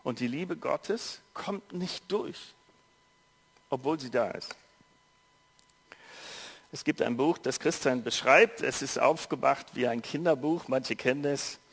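A male preacher giving a sermon, telling a story in an earnest, measured way with pauses. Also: mid-range voice, fairly bright tone, breathy edge. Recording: long hall reverb.

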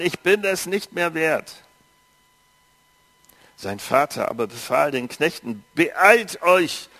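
Guy reading a bible story slow then preaching about it, kinda high voice, chatty asides. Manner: slow, measured reading with lively quoted speech; reflective, conversational asides with fillers.

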